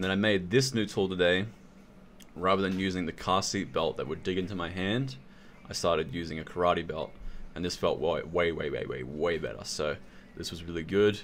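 This man's voice is very deep and low, moving at a fairly quick pace with ordinary pitch variation. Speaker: fitness vlogger. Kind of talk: training vlog narration. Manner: rambling.

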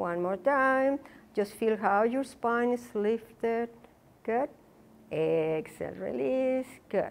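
Soft-spoken and warm in tone, a woman talks at a very slow pace with long, frequent pauses, a fairly high pitch and ordinary pitch variation. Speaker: yoga instructor. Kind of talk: guided chair yoga class, leading breathing and movement cues. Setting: studio, video class. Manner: calm, soft and soothing, with slow, steady cueing; warm and encouraging. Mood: calm, encouraging. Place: studio.

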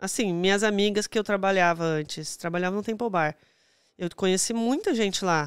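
Ordinary pitch variation at a moderate pace in a São Paulo accent, with a dry sound, no echo, and a quiet background. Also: woman, medium pitch for a woman. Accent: Brazilian Portuguese, São Paulo. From Brazil, São Paulo. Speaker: podcast guest. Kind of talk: personal testimony in casual interview. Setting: studio. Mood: emotional personal story. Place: studio. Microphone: studio mic.

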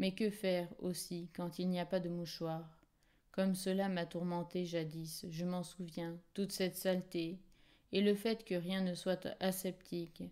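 A woman speaks at a fairly low pitch in a dark, mellow tone with monotone, flat intonation. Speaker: audiobook narrator. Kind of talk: literary audiobook reading, scripted narration with character dialogue. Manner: slow, measured, formal literary delivery.

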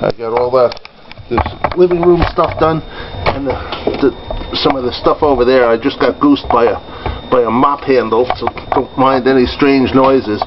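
Over noticeable background noise, a man talks at a moderate pace with fairly even intonation and long, frequent pauses. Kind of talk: casual how-to commentary. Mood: pleased, joking. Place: kitchen. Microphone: phone near.

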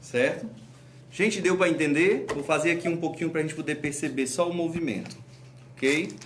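A man with a fairly high pitch talks at a fairly quick pace, with ordinary pitch variation, long, frequent pauses and light background noise. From Brazil, Fortaleza (Ceará). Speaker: cake decorator teaching a class. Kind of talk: online tutorial. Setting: live online class. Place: kitchen. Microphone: phone near.

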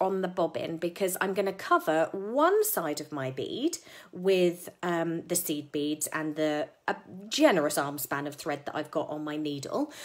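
A woman speaks with a British accent at a fairly low pitch. Her pace is fairly slow, against a quiet background. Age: 30s. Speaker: craft tutorial host. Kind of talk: casual tutorial live stream. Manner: chatty, friendly. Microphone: phone near.

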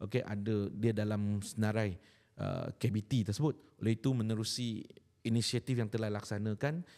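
A dark, mellow tone at a moderate pace. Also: man, quiet background. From Malaysia, Johor; Malaysia. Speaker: state politician. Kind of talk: interview. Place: studio. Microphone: studio mic.

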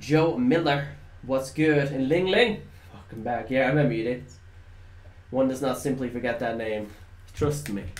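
A man's voice with long, frequent pauses and audible room echo. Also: ordinary pitch variation, moderate pace. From Netherlands. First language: Dutch. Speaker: gaming livestreamer. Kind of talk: live gameplay stream with chat reading. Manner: casual. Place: home room.

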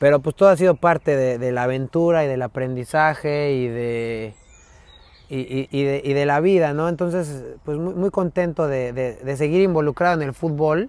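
At a moderate pace, a man talks with a fairly high pitch and ordinary pitch variation, in a dry sound with no echo. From Mexico City. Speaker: football journalist and former footballer; interview guest. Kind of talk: casual interview. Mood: animated storytelling. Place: garden. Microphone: lapel.

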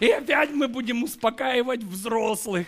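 The man's voice sits extremely high, with ordinary pitch variation. He talks at a fairly slow pace over a quiet background. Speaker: pastor. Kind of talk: sermon. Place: church.

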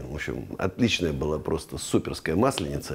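A man keeps a moderate pace while his intonation stays lively. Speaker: investor guest on show. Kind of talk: casual chat. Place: studio. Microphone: lapel.

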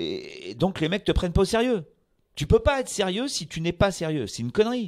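A man talks at a fairly quick pace with very wide pitch swings. The sound is dry and close with no echo, in a very clean recording against a silent background. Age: 50s. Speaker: tennis journalist. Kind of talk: casual chat. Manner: animated.

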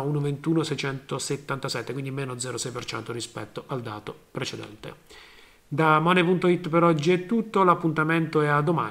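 A man has an unremarkable speaking voice. He talks fairly slowly with ordinary pitch variation. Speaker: financial news presenter. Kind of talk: newsreading, brisk market-report bulletin.

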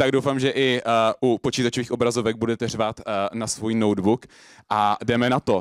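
A man speaks at a fairly quick pace and a medium pitch, in a monotone with flat intonation. The sound is dry with no echo, and the background is quiet. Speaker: slam poet. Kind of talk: warm-up talk to live audience. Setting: live stage with audience. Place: stage. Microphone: handheld.

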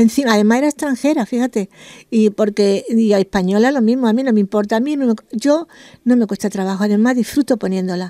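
A dark, mellow tone carries ordinary pitch variation at a fairly quick pace. The sound is dry with no echo, over a quiet background. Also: woman. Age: 70s. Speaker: boutique owner. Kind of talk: interview. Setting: in a shop. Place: shop.

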